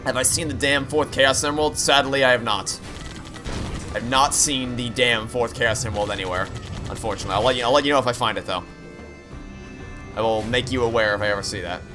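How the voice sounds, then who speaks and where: This is casual livestream chat and game commentary from a man with a medium-pitched voice who talks fairly quickly. He rambles with dry, sarcastic asides as game music plays behind him.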